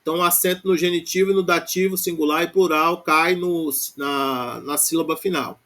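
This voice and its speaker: A man with a Brazilian Portuguese accent teaching a Greek grammar lesson, reciting word forms slowly and then explaining in quick bursts, often tagging "né?". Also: fairly high pitch, fairly even intonation, sharp tone.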